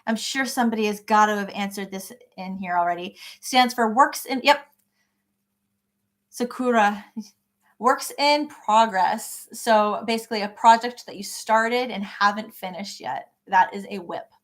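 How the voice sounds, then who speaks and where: A woman's voice: mid-range voice, measured pace. A woman hosting a live crochet session, chatting casually and answering viewer comments by name in an encouraging way. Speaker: crochet livestream host. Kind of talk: casual livestream chat reading comments.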